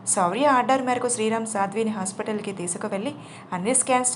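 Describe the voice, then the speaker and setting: A woman narrating a romantic drama story in an even storytelling manner. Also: mid-range voice, slight background noise.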